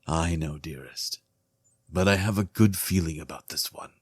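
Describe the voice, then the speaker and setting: A man playing an earnest, weary king in a fantasy audio drama, speaking in a solemn, measured, formal way. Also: extremely low pitch, husky, no echo, clean studio sound. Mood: gentle. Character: earnest, weary king, devoted husband and loyal friend.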